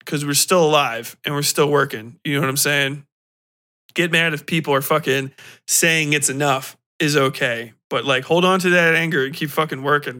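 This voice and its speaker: Guy in his 30s doing a loose sweary podcast rant, kinda high bright voice, animated. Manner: animated, profane, slangy, laughs while talking. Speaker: podcast host. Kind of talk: casual solo rant, reminiscing.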